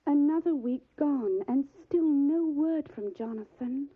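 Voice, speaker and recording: A woman's voice: high-pitched, unhurried. An actress playing an earnest, caring young Victorian lady in an audio drama, with a proper and solicitous manner. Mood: anxious narration. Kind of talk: audio drama acting and diary narration. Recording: phone-like, faintly noisy audio.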